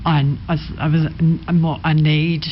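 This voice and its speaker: Woman, studio guest, low voice, halting and soft, dull lo-fi sound. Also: flat delivery, slight background noise. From Sydney, Australia. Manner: hesitant, many ums, soft-spoken. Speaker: interview guest. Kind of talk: personal testimony. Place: radio studio.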